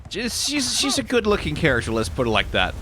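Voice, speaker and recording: A man's voice: on the high side, wildly swooping pitch, a little fast, pushed and bright, slight background noise. A man giving casual let's-play commentary as he plays. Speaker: gaming video host.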